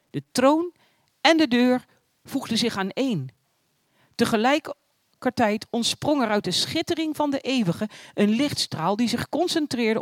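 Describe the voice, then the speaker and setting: A narrator reads a religious story in a calm, measured way. The recording is dry and close, with no room sound. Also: mid-range voice, slightly rough, no room sound.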